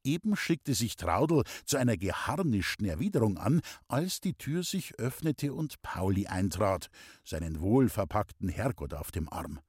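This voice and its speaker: A man reading a novel aloud as an audiobook narrator, in an expressive storytelling manner on a close mic. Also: fairly low pitch, measured pace, slightly rough, no room sound. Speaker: audiobook reader. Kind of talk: scripted narration.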